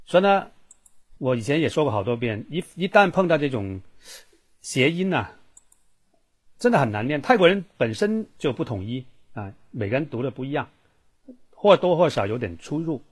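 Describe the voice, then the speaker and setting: A man's voice: mid-range voice, sing-song, normal speed, pauses often, slightly rough. Fields: Sex: man. Role: Thai language teacher. Style: live online voice-class lesson. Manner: chatty and repetitive, keeps asking the class questions. Mic: computer microphone. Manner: chatty, repeats himself, asks the class questions.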